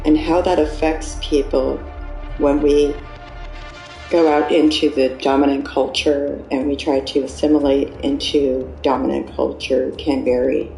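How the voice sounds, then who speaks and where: Slow gravelly former Amish speaker. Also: mid-range voice, flat delivery, warm tone. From Amish settlements in the US. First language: Pennsylvania Dutch. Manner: slow, deliberate, measured. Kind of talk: earnest explanatory talk. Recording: echoey room with music underneath.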